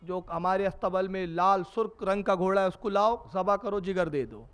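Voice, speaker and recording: A preacher acting out a generous noble lord who gives calm, firm commands. The voice stays clear and resonant. This is storytelling inside a sermon. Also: male voice, sits high, normal speed, close to an everyday voice. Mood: commanding. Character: generous noble man giving firm orders.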